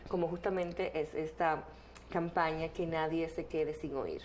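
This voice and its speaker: A middle-aged woman with a Dominican Spanish accent hosts a television talk show. Her voice sits a little low for a woman, and she talks in a friendly, chatty way. A faint hiss of background noise runs under her voice. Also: fairly even intonation, a little slow. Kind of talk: TV interview.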